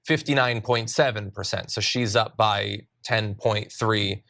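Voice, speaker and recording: A man's voice: fairly low pitch, steady tone, unhurried, creaky, bright, forceful tone. A man analyzing election returns on a live broadcast. He talks carefully, hedges, and cites lots of numbers. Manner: careful, hedging, full of numbers. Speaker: data analyst on the panel. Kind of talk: live election night commentary.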